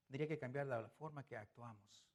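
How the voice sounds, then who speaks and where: A man from Mexico with a Mexican Spanish accent, preaching a sermon as pastor, swinging from loud emphatic bursts to soft low asides and chuckling through his stories. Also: a little fast.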